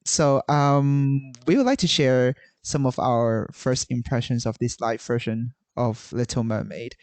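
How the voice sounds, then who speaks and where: A man co-hosting a podcast in casual chat, animated and restarting often. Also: medium pitch, unhurried, no echo. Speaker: podcast co-host.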